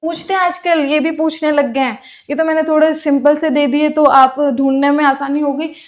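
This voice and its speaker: A woman's voice: sits high, steady tone, normal speed. A woman teaches an exam-prep class. She repeats each term, then asks and answers her own questions. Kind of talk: classroom lecture.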